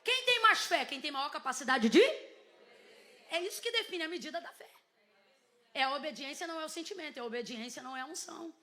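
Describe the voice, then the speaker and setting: A Brazilian woman preaching a sermon on a church stage through a microphone. Her voice is high and bright, and she often rises to a shout. She repeats key words and throws questions back at the crowd. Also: lively intonation, fast talker, pauses often. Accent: Brazilian Portuguese. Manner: shouting, emphatic, repetitive calls and questions to congregation. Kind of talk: Pentecostal sermon. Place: church stage before a congregation. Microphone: handheld or headset microphone with compressor.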